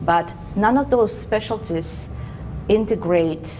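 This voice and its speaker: Noticeable background noise sits behind a woman's voice. She speaks with a Russian accent and ordinary pitch variation. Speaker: oncologist. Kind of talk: interview. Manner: halting.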